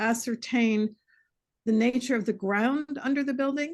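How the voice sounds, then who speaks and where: Against a quiet background, a woman speaks at a moderate pace. Her pitch is high and her intonation fairly even. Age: 70s. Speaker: resident commenting at public meeting. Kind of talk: public comment at town meeting.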